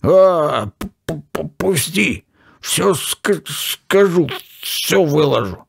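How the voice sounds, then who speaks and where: A man's voice: mid-range voice, lively intonation, a little slow, a little mellow, dry recording, clean studio sound. A man voicing a fussy, cowardly aging crook who blusters and then whimpers in fear in an audiobook reading. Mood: whimpering. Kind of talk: audiobook character voice.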